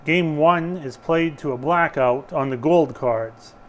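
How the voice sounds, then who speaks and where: A man's voice: a little high, slow pace, a little hiss or hum. A man working as a bingo caller, reading rules and announcements in a formal, procedural way.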